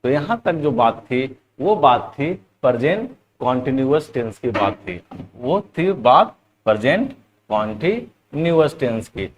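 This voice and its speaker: A man teaching English grammar to students, explaining in Hindi, slowly dictating example sentences and often addressing the class as "children". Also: medium pitch, sing-song, slight background noise. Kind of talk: classroom lesson.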